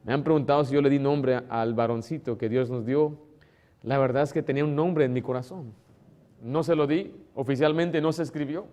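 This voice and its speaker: Guy pastor preaching, mellow dark voice, gets loud then goes soft and tender. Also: fairly even intonation, moderate pace. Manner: emotional, swings between loud exclamation and soft tender asides; acts out voices of relatives in a higher tone. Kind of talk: sermon.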